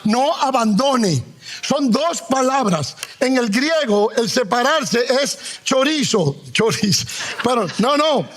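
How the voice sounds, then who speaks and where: A man's voice: very high-pitched, lively intonation, fairly bright tone. A male pastor preaching a sermon in a conversational way, with humor. He has the congregation repeat after him and stretches out the words he stresses. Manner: emphatic, drawn-out stressed words; conversational humor woven into Bible teaching.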